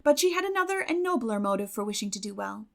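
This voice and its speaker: A woman audiobook narrator reading literary fiction expressively, with measured storytelling phrasing. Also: medium pitch, big pitch swings, vocal fry, fairly bright tone.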